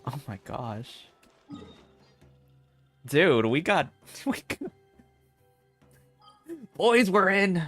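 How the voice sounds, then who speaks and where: Excitable man streaming a game. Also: on the high side, drawn-out words, long pauses, soft background music. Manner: excitable, exclaiming, chatting to viewers. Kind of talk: live gameplay commentary, reading dialogue aloud.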